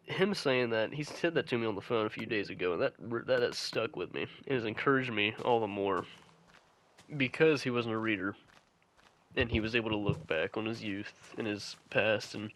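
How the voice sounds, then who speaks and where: A young man talks through a stuffed-up nose, and his fairly low voice comes out nasal, with sniffles between phrases. He speaks in an earnest, measured way as he reflects on his own habits, sometimes restarting a sentence to get the wording right. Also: a bit bright, poor audio. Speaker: channel host. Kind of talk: reflective monologue.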